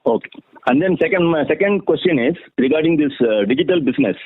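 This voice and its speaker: A man asking questions as a caller on an earnings call, halting but persistent. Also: on the high side, animated, breathy edge, no room sound. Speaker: investor or analyst caller. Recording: tinny, dry phone line.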